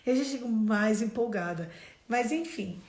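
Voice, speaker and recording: A Brazilian woman leading a devotional, preaching with emphatic, exhortative drive and sudden loud bursts. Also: on the high side, animated, a little slow. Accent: Brazilian Portuguese. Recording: echoey room.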